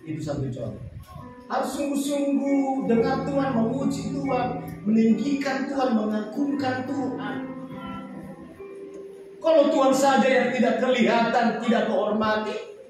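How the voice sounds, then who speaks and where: A male pastor preaching a sermon with emphasis, his delivery moving between loud, sing-song lines and low, quiet ones. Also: measured pace, music in the background. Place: church sanctuary. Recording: very echoey hall, voice far from the mic.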